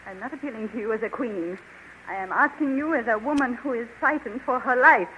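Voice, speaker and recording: A woman's voice: fairly high pitch, brisk, dull audio, natural voice. A woman voicing a proud alien queen who begs for her life, in theatrical 1930s radio drama style. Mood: pleading. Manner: pleading, theatrical. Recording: hissy 1930s radio recording.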